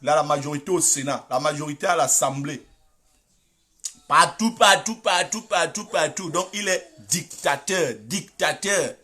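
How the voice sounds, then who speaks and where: A man's voice: a little high, normal speed, bright, forceful tone. A middle-aged man with a Cameroonian French accent giving impassioned political commentary, repeating himself and exhorting his listeners. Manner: emphatic, repetitive, exhorting listeners.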